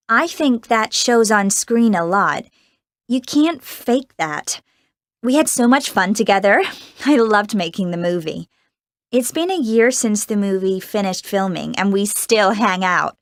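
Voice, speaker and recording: A woman playing a cheerful American teenage girl actress in a scripted interview, chatty and quick to laugh, with an American accent. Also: mid-range voice, animated, no room sound, clean studio sound. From United States. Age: teens. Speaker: young film actress being interviewed. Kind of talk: scripted exam-recording interview.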